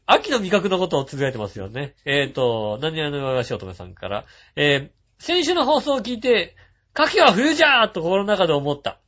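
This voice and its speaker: A man hosting a radio show, reading listener messages and chatting about them in a relaxed, rambling way with frequent chuckles. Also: fairly high pitch. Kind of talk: casual chat. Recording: dull lo-fi sound.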